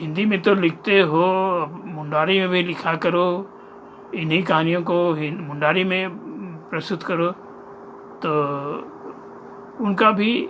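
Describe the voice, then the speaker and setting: With a Jharkhand accent, a man speaks using fairly even intonation. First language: Mundari (speaking Hindi). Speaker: writer and former radio journalist. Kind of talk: interview talk. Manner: halting.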